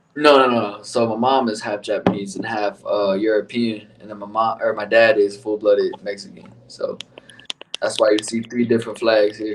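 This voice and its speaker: Speaking in an American accent, a man keeps a medium pitch, a moderate pace and fairly even intonation, though his loudness swings widely. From US, Chicano community. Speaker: podcast host. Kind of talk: casual interview chat.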